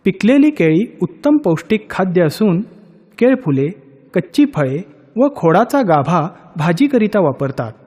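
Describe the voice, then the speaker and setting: A man reading a scripted documentary voice-over in a measured, informative way. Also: sits high, long reverb tail. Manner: measured, even informative delivery. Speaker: documentary narrator.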